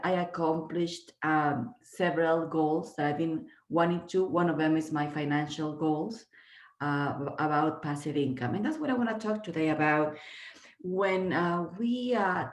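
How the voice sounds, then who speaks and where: A woman in her fifties from Peru, speaking natively, who gives an earnest, halting motivational talk on a video call, full of fillers and restarts. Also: lowish voice, reverberant. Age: 50s. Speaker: guest trainer.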